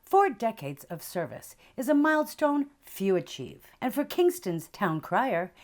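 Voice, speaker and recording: A woman's voice: on the high side, big pitch swings, unhurried. A woman reading scripted narration for a local news feature in a polished, formal way.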